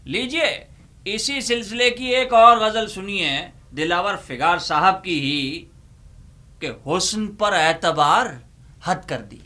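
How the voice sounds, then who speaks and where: A Pakistani man hosting a humorous poetry reading, delivering verses in a theatrical, drawn-out way with repeated lines and banter. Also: high voice, animated, bright, forceful tone. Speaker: host reciting humorous Urdu poetry. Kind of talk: dramatic comic poetry recitation with banter.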